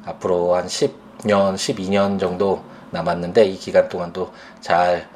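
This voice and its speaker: A man in his thirties, a father, speaking reflectively about his son, pausing often with fillers. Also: low voice, flat delivery, darkish tone, slight background noise. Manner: slow, hesitant, many fillers. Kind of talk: reflective personal testimony.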